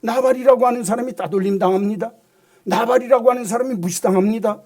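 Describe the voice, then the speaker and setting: A man's voice: extremely high pitch, quick pace, darkish tone. A male pastor preaching a sermon with emphasis, often asking the congregation rhetorical questions.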